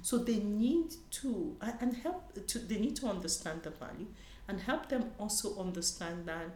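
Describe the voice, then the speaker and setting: A woman's voice: medium pitch, animated, normal speed, warm tone. A woman from Nigeria, a conference panelist, talking earnestly in an interview and often restarting her sentences. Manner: earnest, searching, frequent restarts. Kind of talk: conversational interview. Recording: echoey room with faint noise.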